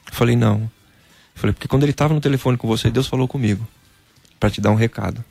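A man from Brazil, a former footballer, telling a personal faith story in a casual interview, animated and peppered with "cara". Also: mid-range voice, fast, gravelly, dry recording, faint music behind.

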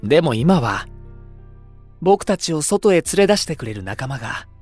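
A gentle young man with a very expressive, lilting delivery. He is the pure, soft-spoken younger twin of a voice drama, coaxing and polite. Faint music sits behind him. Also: on the high side, normal speed. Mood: gently coaxing. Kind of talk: Japanese voice drama acting.

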